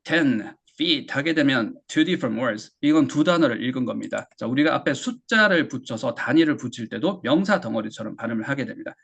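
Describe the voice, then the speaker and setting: A man teaching English pronunciation in a classroom lesson. He drills short phrases and repeats them slowly for the class. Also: mid-range voice, lively intonation, creaky, a bit bright, slightly rough.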